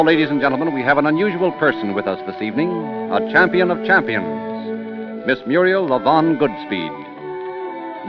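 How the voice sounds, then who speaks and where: A man hosting a 1930s radio program, narrating oddities and interviewing a guest in a formal, showman-like announcer style. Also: mid-range voice. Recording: muffled 1930s radio recording with music.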